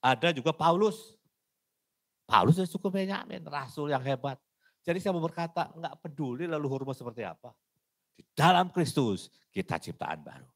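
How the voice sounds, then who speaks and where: A man with an Indonesian accent preaching a sermon, switching between loud emphasis and quiet asides and acting out little dialogues. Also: on the high side, lively intonation, moderate pace, no echo. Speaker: evangelist preacher.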